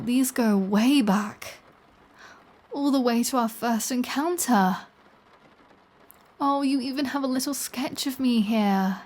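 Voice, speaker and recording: A woman playing a flirty, taunting, predatory vampire in an intimate audio roleplay, with a teasing, sardonic delivery. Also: fairly high pitch. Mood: teasing, amused. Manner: slow, teasing, sardonic, casually profane.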